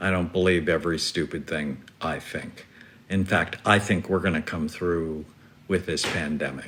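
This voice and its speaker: A man talks at a moderate pace in a very deep, low pitch. His intonation stays fairly even. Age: 60s. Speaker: psychiatrist and author. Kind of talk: casual video talk on brain health.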